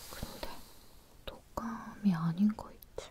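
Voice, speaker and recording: Whispering softly at a very slow pace, a woman is heard in a dry recording with no echo and light background noise. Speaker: ASMR creator. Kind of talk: soft casual chat to the viewer. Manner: soft close whisper-like ASMR voice. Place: home room.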